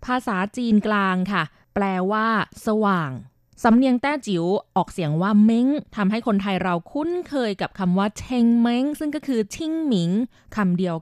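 A woman's voice: mid-range voice, dry recording. Lady dj on the radio, super polite, explains everything, dry close sound. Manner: polite, explains at length, often softens sentences with polite particles. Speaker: radio DJ and host. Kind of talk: scripted radio magazine narration.

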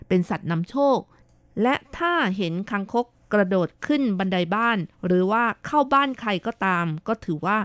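A woman's voice: mid-range voice, clear, resonant tone, dry recording. A woman co-hosting a radio chat show, telling stories and reading out listener comments in a chatty, playful way. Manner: chatty, playful, ends phrases with polite particles. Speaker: radio co-host.

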